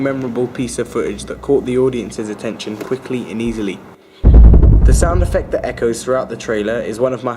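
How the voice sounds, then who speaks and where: A young adult man reading a scripted analytical commentary in a formal, measured way. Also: mid-range voice, darkish tone, slight background noise. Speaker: student filmmaker explaining their trailer.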